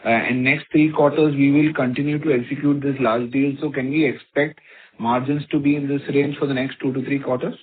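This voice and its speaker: A man's voice: mid-range voice, fairly even intonation, brisk, a little hiss or hum. An Indian-accented man, a financial analyst asking questions on an earnings call, politely and a little hesitantly. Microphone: phone. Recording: tinny, radio-like phone line.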